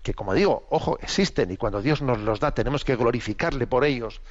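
A man hosting a religious commentary program, explaining in a measured, teacherly way with rhetorical questions and frequent tag questions. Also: mid-range voice, animated, lo-fi sound.

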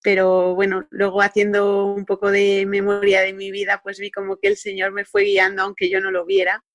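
A woman's voice: medium pitch, monotone, normal speed, no echo. A woman in her thirties from Spain with a Peninsular Spanish accent, a radio guest reflectively telling her story with many fillers and tag questions. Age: 30s. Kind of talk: personal testimony in conversation.

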